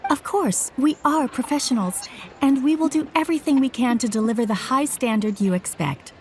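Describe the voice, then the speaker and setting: A woman's voice: high voice, fairly quick, darkish tone, a little hiss or hum. An actress playing a polite, earnest young woman who manages a jewelry shop in a video game. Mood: courteous, earnest. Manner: courteous, earnest.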